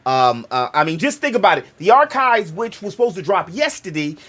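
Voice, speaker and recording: Very animated and fairly quick, this young Black American man's high, slightly bright voice carries a rambling gaming-channel monologue. He jokes, digresses, and keeps cutting himself off, speaking African American English.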